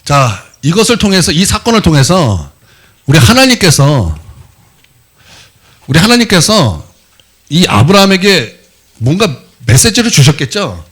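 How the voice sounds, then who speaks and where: A middle-aged man preaching to his congregation in a church. His husky voice sits a little high and leaps around in pitch, and he keeps asking the listeners questions as he goes. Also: unhurried, pauses often. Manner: lively, asks the congregation questions, acts out quotes. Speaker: pastor. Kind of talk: sermon. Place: church sanctuary.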